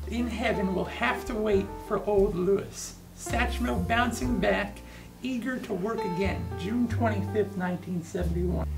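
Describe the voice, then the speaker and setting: A man in his thirties speaks as an enthusiastic archivist guiding an interviewer through stories. His voice has a lot of fry in it. He sounds off-mic, with music clearly playing behind him. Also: sits high, recorded from a distance, poor audio. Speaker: archivist and guide.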